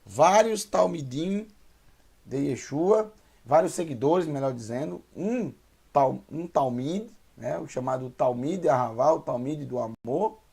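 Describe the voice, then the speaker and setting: A man with a Brazilian Portuguese accent teaching beginner Hebrew, sounding out syllables slowly and repeating each word. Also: medium pitch, gravelly, a little mellow, breathy edge. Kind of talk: slow beginner language lesson.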